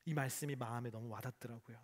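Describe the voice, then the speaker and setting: A man's voice: mid-range voice, steady tone, fast. A man in his forties, a pastor giving a sermon, telling stories with humorous acted quotes. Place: church hall.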